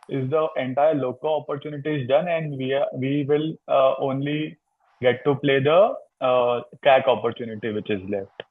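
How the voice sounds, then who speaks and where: A man's voice: medium pitch, no room sound. A man with an Indian accent on a phone call, asking probing questions as an analyst in a somewhat hesitant way. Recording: tinny narrow phone line.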